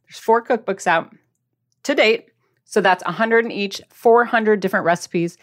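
A woman's voice: mid-range voice, normal speed. A woman hosting a podcast, chatting casually about cooking in an upbeat, encouraging way with a few fillers. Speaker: podcast host.

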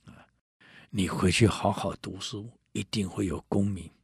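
A man doing a soft-spoken fox-spirit bride. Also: deep voice, fairly even intonation, unhurried, vocal fry, slightly rough, dry recording, clean studio sound, heavily acted. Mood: gently resigned. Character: gentle young fox-spirit wife.

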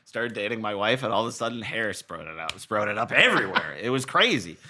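An American man in his thirties from Massachusetts, telling his own stories as an interview guest in a casual, animated, self-deprecating, jokey way. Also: lowish voice, a little fast, slight background noise. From Massachusetts, USA. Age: 30s. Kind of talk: casual conversational storytelling.

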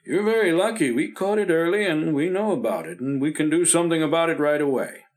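A man playing a patient, reassuring doctor in an old radio drama, speaking steadily and gently firm. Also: on the high side, animated, brisk, lightly acted. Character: calm reassuring male family doctor. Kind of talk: 1950s radio drama acting.

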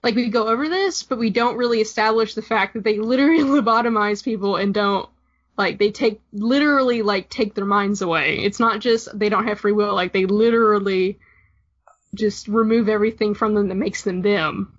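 A woman's voice: medium pitch, normal speed. A woman co-hosting a podcast, talking casually in a rambling, hesitant way full of "like". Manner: rambling, heavy use of "like", hesitant. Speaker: podcast co-host. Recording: dull lo-fi recording.

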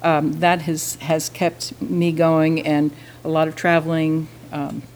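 A woman in her fifties talks warmly about teaching, in a slightly low voice. She is chatty and enthusiastic, pausing with small fillers as she goes. Faint background noise sits under her words. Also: flat delivery. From Vermont, USA. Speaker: musician and French teacher. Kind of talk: casual interview talk.

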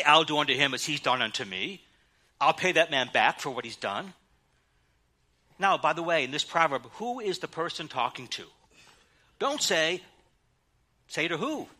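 A man's voice: on the high side, sharp tone. A middle-aged man, a rabbi, preaching a sermon that mixes quoted scripture with everyday examples.

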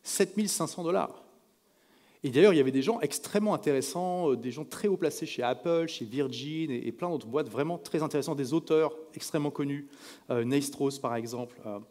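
A man from France with a slightly high voice tells lively stories to a live crowd from a stage. He acts out the people in his anecdotes. His voice rings with the long echo of a big event hall. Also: a little fast. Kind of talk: storytelling talk to a live audience. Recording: echoey hall reverb.

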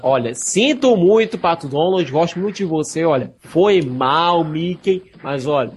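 A man's voice: on the high side, animated, measured pace, slight background noise. A man, joking around about cartoons as a podcast co-host. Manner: playful, jokey. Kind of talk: casual chat.

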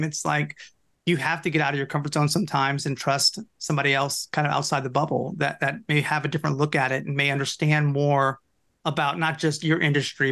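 A man's voice: a little high, gravelly, fairly bright tone. A man co-hosting a podcast, talking in a loose, conversational way. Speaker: podcast co-host. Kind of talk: podcast interview.

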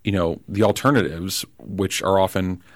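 Low-voiced man, halting and thoughtful. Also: fairly even intonation, dry recording, clean studio sound. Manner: thoughtful, halting, many restarts. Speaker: podcast guest. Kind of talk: casual political conversation.

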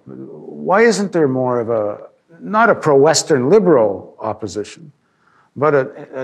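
A man's voice: medium pitch, vocal fry, breathy edge. A man interviewing a guest on politics in a conversational, probing way, readily interjecting.

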